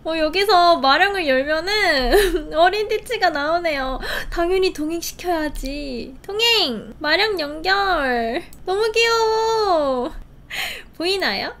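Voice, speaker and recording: A young woman hosting a casual game play video, gushing and giggling with excited exclamations. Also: very high-pitched, slow. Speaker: game channel host. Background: game music.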